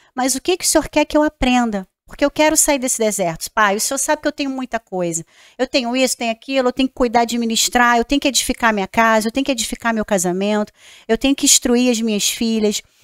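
A woman speaks very fast in a high pitch. Her pitch varies in an ordinary way. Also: quiet background, dry sound with no echo. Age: 30s. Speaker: accounting firm entrepreneur; podcast guest. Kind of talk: casual interview chat. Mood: warm, faith-filled storytelling. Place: studio. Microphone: studio mic.

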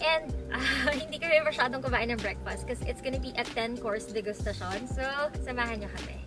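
A woman's voice over clear background music. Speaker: food vlogger. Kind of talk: casual vlog chat. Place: car. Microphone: phone near.

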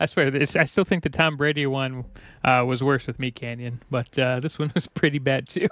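The sound is dry with no echo and the background quiet as a man speaks at a moderate pace. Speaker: reaction streamer. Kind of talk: casual reaction commentary. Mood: amused, laughing. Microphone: studio mic.

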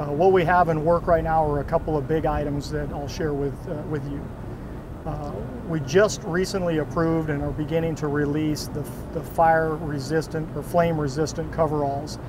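A man talks in a monotone with flat intonation. The sound is dry with no echo, though background noise is noticeable. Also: moderate pace. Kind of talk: interview answer. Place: boat.

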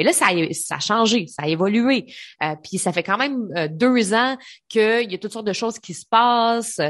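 Lively intonation and big swings in loudness in a Quebec accent, over a quiet background. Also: woman, fairly high pitch for a woman, moderate pace. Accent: Québécois French. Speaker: podcast host and business coach. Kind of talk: solo podcast monologue. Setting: home, power outage. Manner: casual, with hesitations.

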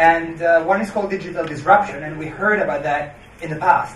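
A high-pitched man speaks at a moderate pace, with audible room echo and light background noise. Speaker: tech startup founder; panelist. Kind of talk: panel discussion. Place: hall.

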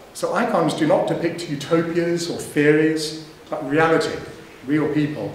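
A New Zealand accent over light background noise, with audible room echo. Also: man. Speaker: iconographer and conference speaker. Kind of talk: lecture. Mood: calm, reflective, devout. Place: hall. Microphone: camera far.

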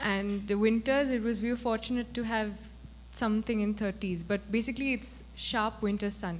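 Light background noise sits behind a somewhat breathy voice. The intonation stays fairly even. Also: woman, moderate pace. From India. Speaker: panelist, photo walk organizer; panelist. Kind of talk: panel discussion. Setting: stage with audience. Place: hall. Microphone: handheld.

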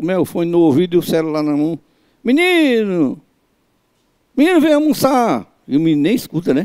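A man's high-pitched voice with a dark, mellow tone against a quiet background. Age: 60s. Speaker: folk tradition master; panelist. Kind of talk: panel discussion. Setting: seminar panel, filmed for online viewers. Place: hall. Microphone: handheld.

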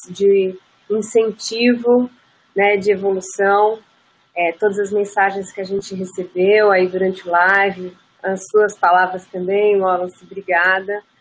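Speaking slowly, though only fairly so, a woman uses an unremarkable speaking voice at medium pitch. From São Paulo, Brazil. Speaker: surfer's wife, former environmental manager. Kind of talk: casual interview. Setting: video call from a beachside home.

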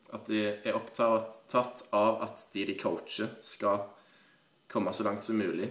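A man speaks against a quiet background. There is audible room echo. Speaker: coaching client giving a testimonial. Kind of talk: casual testimonial. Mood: relaxed, positive. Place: home room. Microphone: webcam.

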